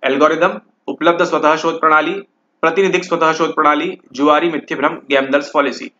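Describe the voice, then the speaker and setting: Here a man's bright, forceful, slightly high voice moves fairly quickly with fairly even intonation as he explains exam questions in Hindi laced with English. He keeps repeating "ठीक है" to check in with the listener. The slightly dull lo-fi recording carries a little hiss or hum.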